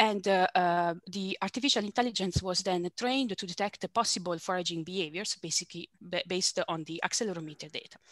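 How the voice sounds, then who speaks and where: Over a quiet background, a woman speaks with ordinary pitch variation, the sound dry with no echo. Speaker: seabird researcher and co-host. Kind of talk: online seminar discussion. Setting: video call. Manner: hesitant, many fillers. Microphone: video call.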